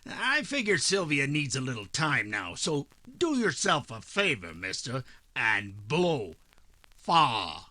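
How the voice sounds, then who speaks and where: A man's voice: medium pitch, huge pitch swings, pushed and bright, full character voice. An actor playing a threatening, tough gunman in a 1940s-style noir radio drama. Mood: grim warning. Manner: slow, threatening tough-guy talk. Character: menacing male gunman, tough and protective of a woman.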